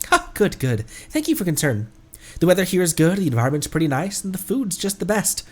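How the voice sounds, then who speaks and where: A man's voice: high voice, sing-song, brisk, a little mellow. A man voicing a polite, enthusiastic researcher from a fantasy game, chatty and courteous as he reads the dialogue aloud. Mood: friendly, earnest.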